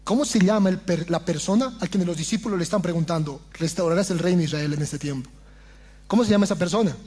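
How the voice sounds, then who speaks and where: Man, pastor, very high voice, impassioned sermon to his congregation. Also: quick pace, a little mellow. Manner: impassioned preaching, often addressing the congregation as brothers. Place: church.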